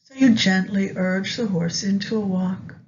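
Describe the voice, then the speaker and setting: A woman narrating a guided meditation in a gentle, soothing, unhurried manner with long pauses. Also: medium pitch, fairly even intonation. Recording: dull lo-fi audio with background noise.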